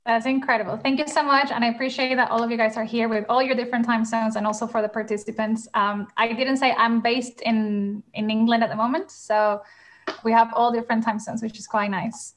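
A woman's voice: on the high side, little pitch movement, a little fast. A young woman hosting a panel over a video call, upbeat and enthusiastic, with frequent fillers. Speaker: panel moderator. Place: home room, in England.

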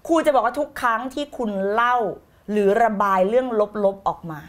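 A woman teaching the law of attraction on a live stream, energetic and emphatic, repeating key phrases and slipping in English words. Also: a little high, a little fast. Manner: mixes in English words, blunt slang.

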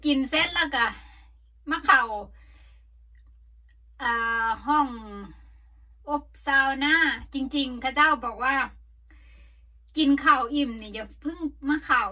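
A woman's voice: sits high, takes it slowly, long pauses, bright, forceful tone. A middle-aged woman with an Isan Thai accent, chatting casually and rambling in a vlog from a sauna, coughing now and then. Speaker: vlogger. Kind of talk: casual chat.

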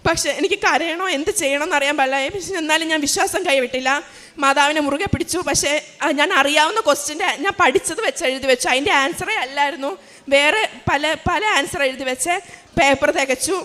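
A woman's voice: sits high, brisk, sharp tone. A young woman, a nursing student, giving an earnest and emotional personal religious testimony. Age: young adult. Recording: long hall reverb.

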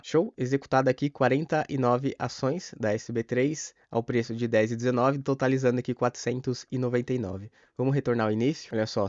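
A man's voice: mid-range voice, a little mellow, no room sound, highs cut off. A man in his thirties from Brazil with a cold, casually walking viewers through his investments, recorded at home on a desk mic. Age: 30s. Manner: quick, chatty, explaining figures to viewers. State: has a cold, voice a bit off. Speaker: finance YouTuber. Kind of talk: casual screen-share walkthrough. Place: small home studio, indoors. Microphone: desk mic in front of him.

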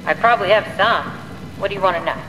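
A woman's voice: medium pitch, quick pace, sharp tone, lightly acted. An actress playing a composed, inquisitive woman survivor in a video game, talking in a matter-of-fact, questioning way. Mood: calm, curious. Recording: echoey intercom in large hall, faint noise.

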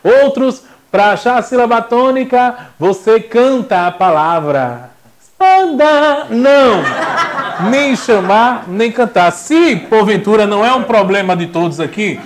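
A man's voice: high-pitched, unhurried, few pauses, slight background noise. A young man teaching a classroom lecture, joking and acting out little voices. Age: young adult. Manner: jokey and animated, acts out voices.

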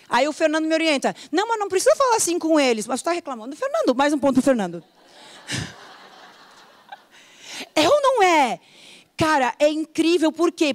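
A middle-aged woman coach, giving an animated motivational talk and acting out everyday complaints. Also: high-pitched, no room sound, clean studio sound. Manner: animated, acts out complaints in quick mock voices. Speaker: coach and teacher.

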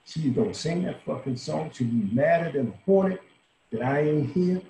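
A man's voice: a little high, lively intonation, moderate pace, mellow. An actor in his sixties playing a dying, world-weary old bar owner in a folksy, salty, intimate dramatic monologue. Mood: wistful, resolute. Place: small room at home, indoors. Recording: roomy home webcam audio, faint hiss.

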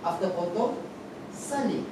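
A man's voice: high voice, expressive, moderate pace. A man with a Singaporean accent playing a teasing middle-aged trans woman aunt in a staged reading, full of sassy, mocking banter. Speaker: stage actor. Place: theater black-box stage with audience. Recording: roomy theater stage, distant mic, noisy.

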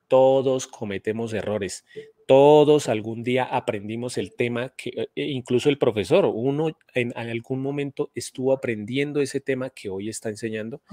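A man's voice: medium pitch, a little mellow, no room sound, studio quality. A middle-aged man, a math teacher and video host, talking casually and earnestly on a live stream. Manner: earnest, advising, with restarts. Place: home studio. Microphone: studio mic on boom arm, headphones.

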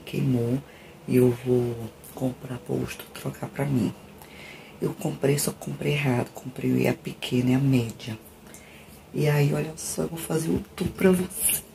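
A woman's voice: a bass voice, gravelly, warm tone. A middle-aged woman with a Brazilian accent chatting casually to her viewers in a rambling way, recorded on a phone at home. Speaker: vlogger. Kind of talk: casual chat to camera. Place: small rooms at home, indoors. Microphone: phone at arm's length. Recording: noisy handheld home recording.

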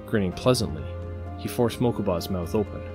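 A man's voice: fairly low pitch, lively intonation, brisk. A man narrating a scripted audio drama story. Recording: music behind the narration.

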